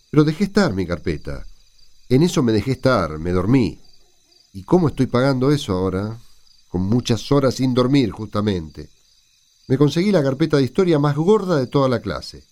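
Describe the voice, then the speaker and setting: A man's voice: medium pitch, darkish tone, natural voice. An actor playing a sleepless, impatient Argentine man cramming for an exam in a radio drama, with a blunt colloquial manner.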